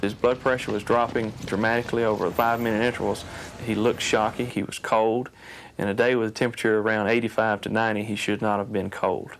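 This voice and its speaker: Even-toned male paramedic. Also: lowish voice, fast, a little hiss or hum. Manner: clinical, even reporting. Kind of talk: interview testimony.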